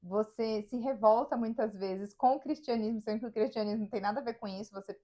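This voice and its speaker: A woman's voice: a little high, quick pace, warm tone. A Brazilian woman with a Brazilian Portuguese accent, co-hosting a casual podcast conversation and telling personal stories. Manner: storytelling, acts out quoted voices. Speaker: podcast co-host.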